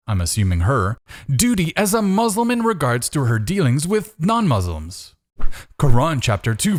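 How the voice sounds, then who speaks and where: A man delivering scripted rebuttal commentary as a video host, in a sarcastic manner full of rhetorical questioning. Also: a little high.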